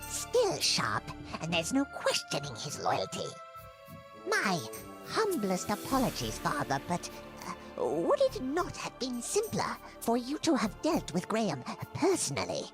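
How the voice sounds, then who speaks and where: A woman voicing a dutiful nun who serves a villain in a fan-made adventure game, speaking in a deferential, measured way. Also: medium pitch, wildly swooping pitch, music in the background.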